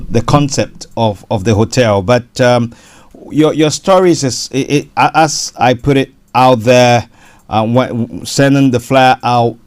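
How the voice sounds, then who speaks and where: A man hosting a radio property show, interviewing a guest in a halting way, often repeating words. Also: medium pitch, darkish tone, clean tone. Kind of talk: casual interview.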